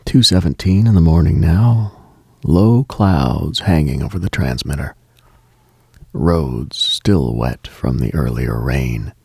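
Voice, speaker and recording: A man hosting a late-night radio show, speaking a slow reflective monologue in a hushed, half-whispered delivery. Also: a bass voice, lively intonation, vocal fry, husky, no echo.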